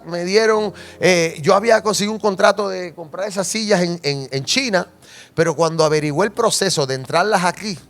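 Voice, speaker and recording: Puerto Rican male pastor, high voice, animated sermon storytelling, faint music underneath. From Puerto Rico. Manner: animated storytelling, asks the congregation questions. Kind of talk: sermon testimony.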